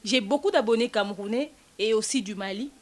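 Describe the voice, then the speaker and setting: A woman hosting a casual web show, talking in an indignant, animated way and mixing French with Lingala. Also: a little high, a little fast. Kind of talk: casual chat.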